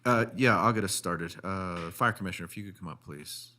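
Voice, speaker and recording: A man with a deep voice and a bright edge speaks as a commissioner. He is practical and informal, feeling out his questions with halting phrasing. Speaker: planning commissioner. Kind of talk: informal public meeting remarks and questions. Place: public meeting room.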